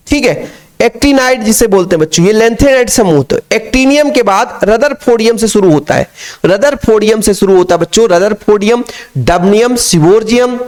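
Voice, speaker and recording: A man teaching chemistry as a classroom lecture, repeating points and coaxing the students along. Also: sits high. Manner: repetitive, coaxing, keeps addressing the students.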